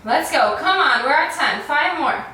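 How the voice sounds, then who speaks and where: A woman's voice: high voice, lively intonation, moderate pace, sharp tone. A woman leading a workout in a peppy, encouraging, casual way, exerting herself as she talks. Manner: exerting herself while talking. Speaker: fitness coach leading a workout. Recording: echoey room, distant microphone.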